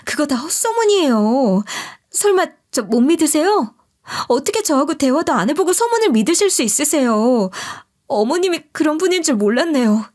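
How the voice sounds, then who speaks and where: A woman's voice: high voice, big pitch swings, normal speed, darkish tone, voice pushed up. A woman voicing a deceitful younger daughter-in-law in an audio story, protesting and pleading in a whiny manner. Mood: feigned indignation.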